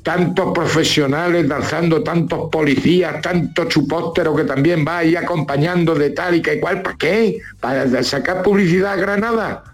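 Male, high-pitched. Colloquial comic grumbler, rambling and repetitive. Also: normal speed, few pauses. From La Mancha, Spain. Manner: rambling, colloquial, repeats rhetorical questions. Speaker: regular radio contributor nicknamed as a judge.

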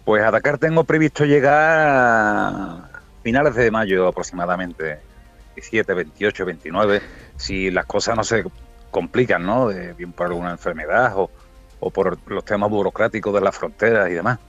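A Spanish man in his sixties phones a radio interview from beside a road, his lowish, slightly bright voice moving at normal speed over soft background music. The dull, dry line keeps cutting out, so he answers matter-of-factly and repeats words that don't get through.

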